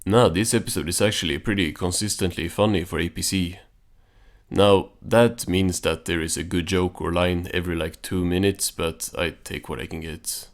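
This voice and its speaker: A man's voice: deep voice, fairly even intonation, moderate pace. A man giving a casual recap and commentary on a cartoon episode in a dry, understated way. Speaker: video reviewer and narrator.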